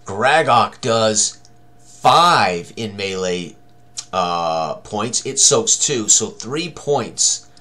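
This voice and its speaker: A man in his sixties with a fairly low voice presents a tabletop game walk-through. He speaks casually and thinks out loud, half to himself, with mild exclamations. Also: expressive, extremely slow. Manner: talks to himself, exclaims mildly.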